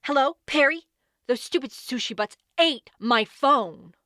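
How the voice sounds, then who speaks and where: A woman's voice: high voice, a little slow, fairly bright tone. A woman playing an exasperated, blunt fairy godmother in a fantasy comedy audio drama, with a dramatic, indignant manner. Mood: exasperated, disgusted.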